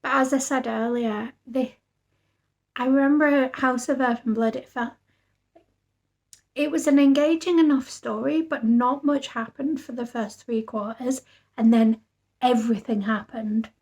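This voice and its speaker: A woman's voice: on the high side, steady tone, measured pace, a little mellow. A tired woman book vlogger chatting casually after reading all night, rambling and thinking aloud. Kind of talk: casual vlog chat.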